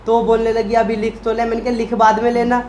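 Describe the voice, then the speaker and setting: A man in a casual vlog chat, retelling a hospital story in an animated, emotional way and acting out what people said. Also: very high voice, fast, echoey room, slight background noise. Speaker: vlogger, husband.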